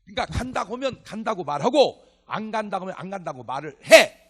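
A fairly high-voiced man preaching at a church revival service. His voice is husky, and its pitch swings widely as he tells jokey stories and acts out bits of dialogue. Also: fairly quick. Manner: animated, joking storytelling with acted dialogue. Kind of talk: sermon.

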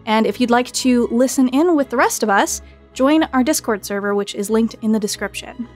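A woman with a fairly high voice speaks at a moderate pace over faint background music. She hosts a roundtable show, introducing and interviewing guests in a presenter's style. She is the host, an associate producer and a voice actor, delivering a scripted podcast intro and interviews.

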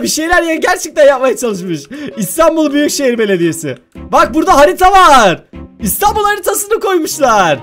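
A young man giving playful gameplay commentary for his video, laughing a lot and shouting when something startles him. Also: very high voice. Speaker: gaming video creator.

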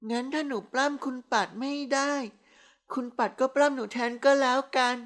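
A woman's voice: sits high, fairly even intonation, fairly quick, voice pushed up, close to an everyday voice. Woman voicing a drunk whiny young wife. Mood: pouting. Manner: pouting, babyish, calls herself "little one". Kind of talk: audiobook character voice.

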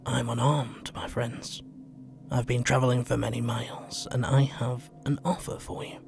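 A man voicing a calm, wry male stranger who speaks softly and half-whispers with menace. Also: mid-range voice, normal speed, creaky, faint music behind, natural voice.

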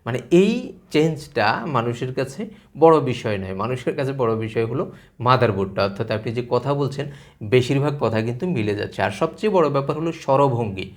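A man talks in an even, lecturing tone, pitched at an ordinary middle height for a man. He speaks straight to the listener and piles up one example after another as he explains. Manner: measured, lecturing, addresses listener directly with repeated examples. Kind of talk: explanatory talk to camera.

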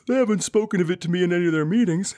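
Earnest young man, very expressive. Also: fairly low pitch, fast talker. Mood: earnest, weary. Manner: earnest, slightly prim. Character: earnest, dutiful young male council clerk, twin brother. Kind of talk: audio drama acting.

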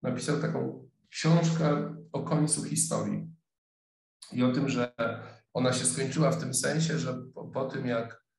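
A middle-aged man giving an online lecture on a webcam, speaking thoughtfully with many pauses, fillers and restarts. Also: medium pitch, steady tone, vocal fry, a little mellow, reverberant, faint music behind. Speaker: sociologist lecturer. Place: office room, indoors. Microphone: webcam video call.

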